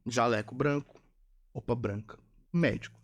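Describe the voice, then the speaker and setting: A man's voice: medium pitch, a little slow. A man, a Catholic missionary and podcast guest, telling a personal testimony and repeating phrases for emphasis. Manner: earnest storyteller who repeats phrases for emphasis.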